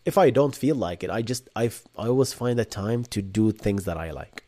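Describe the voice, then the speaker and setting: A man's voice: on the low side, expressive, fairly quick, mellow. A man from Bahrain with an Arabic accent, hosting a live Q&A and answering chat questions in a casual, thinking-aloud way. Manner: casual, thinks aloud with restarts and rhetorical "right?". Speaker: host.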